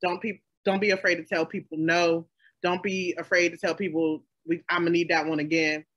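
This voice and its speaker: A woman who makes audio dramas, talking casually and emphatically on a panel, with animated asides. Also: on the low side, normal speed, lo-fi sound.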